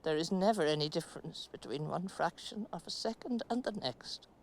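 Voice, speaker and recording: An actress playing a chattering, stoic middle-aged woman buried in the earth, speaking a slow, halting stage monologue. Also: on the low side, animated, darkish tone, slight background noise. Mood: wistful musing. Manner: slow, deliberate, halting delivery with long pauses. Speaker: actress in a filmed stage play.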